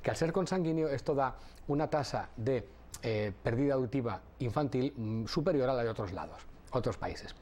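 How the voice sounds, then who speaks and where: A middle-aged man from Catalonia, a guest audiologist on a TV talk show, explaining things in a measured way with some hesitant restarts. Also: mid-range voice, animated, a little mellow. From Catalonia, Spain. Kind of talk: TV interview.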